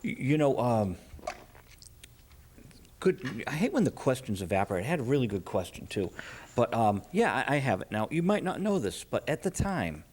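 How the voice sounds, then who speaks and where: A man's voice: medium pitch, big pitch swings, normal speed, darkish tone, husky. Guy interviewing musicians, rambly and chatty, real fan, voice moves up and down a lot. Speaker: radio interview host.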